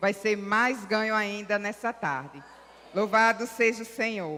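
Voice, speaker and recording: A woman with a fairly high voice. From Paraíba, Brazil. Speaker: preacher at women's church event. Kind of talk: sermon. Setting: church event, filmed and streamed.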